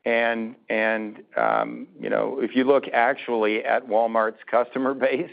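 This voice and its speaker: A man answering questions as a company executive on an earnings call, speaking in a halting, deliberate way with restarted phrases. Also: medium pitch, expressive, creaky. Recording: muffled narrowband phone conference line.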